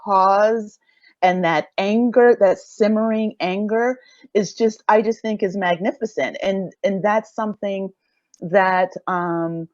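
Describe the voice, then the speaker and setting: A woman speaking as a panelist and audio drama creator, reflective and halting as she searches for words in an unscripted discussion. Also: medium pitch, steady tone, no echo, muffled recording.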